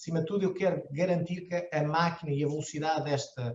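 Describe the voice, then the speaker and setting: Pitched fairly high with ordinary variation, a man speaks at a moderate pace. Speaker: company director and university lecturer. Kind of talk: conference talk, Q&A. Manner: halting, many fillers and repetitions.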